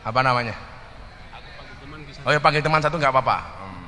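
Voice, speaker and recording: A man's voice: mid-range voice, expressive, brisk, pushed and bright, long reverb tail. A man giving a humorous religious talk, teasing audience members and slipping into Javanese. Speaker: preacher.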